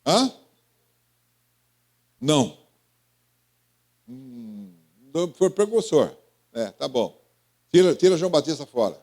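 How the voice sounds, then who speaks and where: A man's voice: a little high, big pitch swings, slow, long pauses, a little mellow. A Brazilian man preaching as pastor, calling on congregation members by name with questions and teasing. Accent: Brazilian Portuguese. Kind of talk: interactive sermon.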